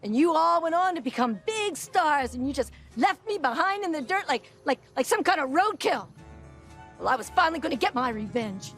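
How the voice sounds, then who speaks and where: A woman's voice: high-pitched, sing-song, normal speed, a bit bright, faint music behind, heavily acted. A woman voicing a bitter, bumbling cartoon villain who feels forgotten and talks with aggrieved self-importance.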